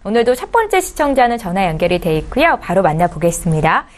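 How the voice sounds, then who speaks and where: A woman's voice: medium pitch, quick pace. A woman hosting an insurance advice broadcast, speaking in a polite, formal presenter's manner. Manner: polite, formal, lively delivery. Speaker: show host.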